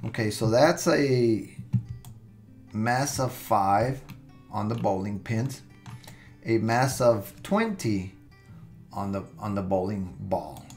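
Gravelly-voiced man teaching software. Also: lowish voice, takes it slowly, pauses often. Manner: relaxed, thinking aloud with fillers and restarts. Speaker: software tutorial instructor. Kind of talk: screen-recorded software tutorial. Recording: soft background music under voice.

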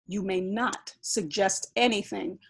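A woman reading as a loud, barking soldier in a storybook. She gives him a husky voice, and he shouts out commands. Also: mid-range voice, fairly even intonation, slow pace, exaggerated voice. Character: blustering soldier man, barking orders, easily scared.

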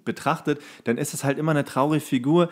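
A man hosting a podcast, chatting casually about films in a rambling, halting way, searching for words. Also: a little high, steady tone, a little mellow. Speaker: podcast host. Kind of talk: casual film chat.

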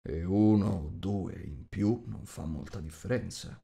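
A man voicing a gruff, rude, huge shape-changer who growls and talks bluntly. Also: deep voice, measured pace, dark tone, full character voice.

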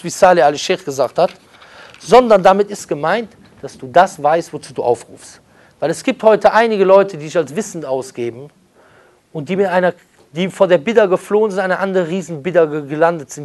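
A young man with a fairly high voice leads a religious lesson. He lectures with lively emphasis and recites Arabic passages at a fast clip. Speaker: religious instructor.

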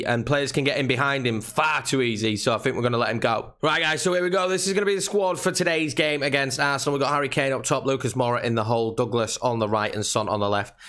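A young man with a slightly nasal, croaky voice from a cold, chatting casually as he commentates his own football video game. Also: mid-range voice. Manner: chatty, excitable at chances. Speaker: gaming channel host.

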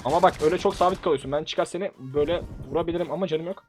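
A man's voice: on the high side, racing, soft background music. A young man giving playful, teasing commentary on a shooter game match for his channel. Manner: playful, teasing, bursts of laughing shouts. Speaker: gaming YouTuber. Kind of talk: excited gameplay commentary.

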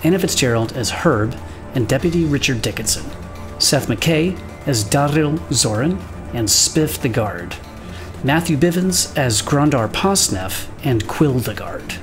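A man reading scripted credits as an announcer. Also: mid-range voice. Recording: prominent music underneath.

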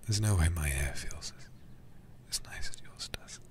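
A man playing a weary, tender knight in a whispered role-play, speaking slowly and haltingly to a lover, close to the microphone. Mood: soft, soothed. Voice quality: breathy whisper with gravelly low edge. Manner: slow, halting, intimate, tender knightly speech.

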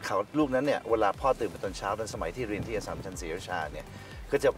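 A man's voice: lowish voice, animated, racing. An older man, the father of a family travel show, chatting and joking outdoors at a lakeside. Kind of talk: casual family chat. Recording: distant voice with music behind.

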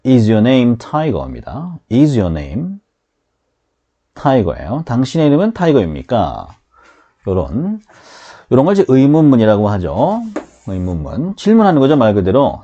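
Lively man teaching beginner grammar. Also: medium pitch, highs cut off. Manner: lively, drills students with call-and-repeat. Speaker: English teacher.

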